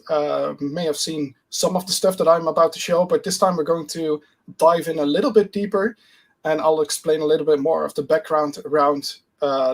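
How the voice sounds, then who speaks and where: A slightly high-voiced man talks on a video call. He is relaxed and hesitant, with many fillers and restarts, and sounds like he is explaining something technical to a live audience. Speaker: guest speaker. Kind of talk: conference talk, casual.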